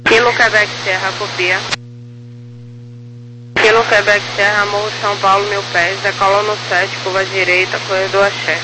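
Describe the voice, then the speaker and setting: A woman air traffic controller reading clipped procedural clearances over a crackly, military-style radio. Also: mid-range voice, flat delivery, moderate pace. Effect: radio transmission. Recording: very noisy crackly aviation radio.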